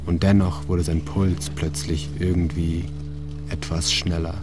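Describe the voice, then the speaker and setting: A man reading a literary story as narrator, calm and measured, with pauses between phrases. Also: sits low. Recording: studio voice over loud music and sound design.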